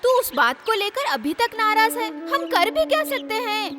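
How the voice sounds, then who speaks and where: Young village girl, really high voice, outspoken but caring, dubbed movie drama. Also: sing-song, normal speed, heavy background noise. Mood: concerned. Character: outspoken young village woman, teasing yet caring daughter. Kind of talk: dubbed Indian film acting.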